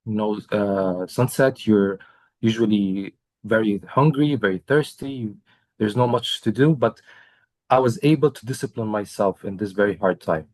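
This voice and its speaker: A young man from Egypt shares his own experience as a coaching client in an interview. He speaks in a somewhat low voice, earnest and measured, with frequent pauses and fillers, and the recording is dry and close. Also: no room sound. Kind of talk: testimonial interview.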